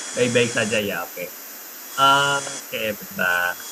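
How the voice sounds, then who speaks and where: With noticeable background noise around him, a man talks at a fairly high pitch. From Central Java, Kudus. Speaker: online tutor. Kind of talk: online lesson. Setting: video call. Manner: casual with frequent fillers.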